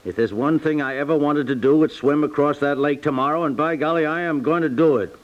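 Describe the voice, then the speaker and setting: An actor playing a stubborn, stammering husband with wounded pride in a 1950s radio comedy. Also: male voice, on the high side, a little fast, lightly acted. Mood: indignant, stubborn. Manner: stammering, exasperated. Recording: muffled vintage 1950s radio recording.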